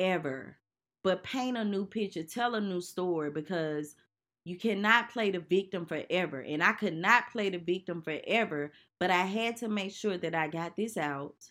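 A woman with a medium pitch and an animated tone talks at a moderate pace with ordinary pitch variation. The recording is very clean, with a silent background. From US South, Birmingham, Alabama. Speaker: podcast host, real estate investor. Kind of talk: personal storytelling monologue.

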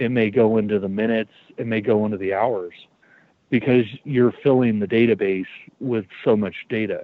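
A man with an ordinary speaking voice talks at a moderate pace, medium in pitch with fairly even intonation. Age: 40s. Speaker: podcast host and magazine publisher. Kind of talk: casual interview chat.

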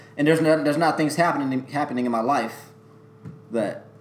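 A man speaks at a medium pitch with ordinary pitch variation. Noticeable background noise runs behind him. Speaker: comedian. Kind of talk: casual chat. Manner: quiet.

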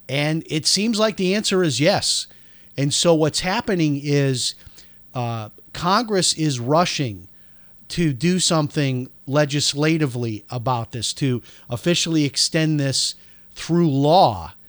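A man's unremarkable speaking voice, fairly high in pitch, with lively intonation at a fairly slow pace. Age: 50s. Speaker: radio talk show host. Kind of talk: talk radio monologue. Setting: studio. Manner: many filler words (uh).

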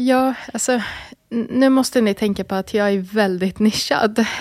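A woman speaks in an ordinary speaking voice at a medium pitch and a fairly slow pace, with ordinary pitch variation, on a very clean recording with a silent background. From moved to Sweden at age seven as a refugee. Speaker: engineer and consulting firm founder. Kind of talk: interview conversation.

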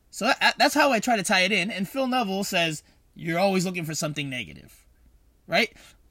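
A man's raised, projected voice, high in pitch and bright and sharp in tone, with lively intonation at a very fast pace on a very clean recording with a silent background. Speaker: sports podcast co-host and reporter. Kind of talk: casual sports podcast discussion.

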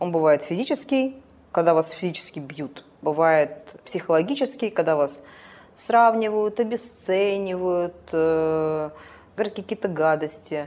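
At a fairly slow pace, a woman speaks in an unremarkable speaking voice with a fairly low pitch and lively intonation. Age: 30s. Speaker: psychologist. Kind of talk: interview.

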